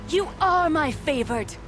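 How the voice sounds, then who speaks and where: A woman's voice: high voice, heavily acted. A woman playing an exasperated, protective tribal chieftain in a video game, scolding with emphatic delivery. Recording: music behind the voice. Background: loud music.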